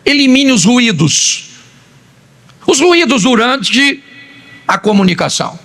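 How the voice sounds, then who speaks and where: A man from Brazil preaching a comedic sermon on marriage, animated and acting out quarrels between spouses. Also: extremely high pitch, takes it slowly. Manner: animated, jokes and acts out quarrels. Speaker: pastor.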